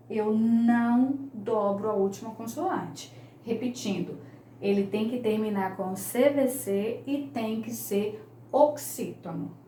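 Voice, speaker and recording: A woman's voice: a little high, darkish tone, echoey room, slight background noise. A woman, teaching English grammar in an online lesson, patiently repeating each key point.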